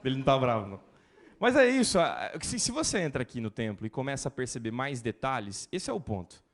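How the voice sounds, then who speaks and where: A male pastor preaching a sermon in a lively way, mimicking complaining churchgoers. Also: mid-range voice, a little fast.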